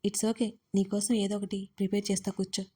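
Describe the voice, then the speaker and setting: A woman voicing a teasing young husband who makes calm, dry remarks in an audio story. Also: sits high, a little fast, breathy edge.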